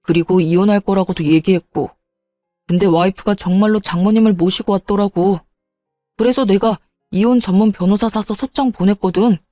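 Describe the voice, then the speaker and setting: A woman's voice: medium pitch, moderate pace, warm tone, dry recording, soft background music, natural voice. A woman voicing a hot-headed grown son who whines and blames his mother in a storybook reading. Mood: exasperated. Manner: whiny, exasperated.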